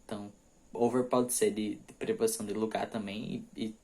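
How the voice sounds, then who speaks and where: Guy teaching english grammar, lowish voice, slows way down on the examples then rattles off the explanations. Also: little pitch movement, mellow. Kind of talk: bilingual grammar lesson.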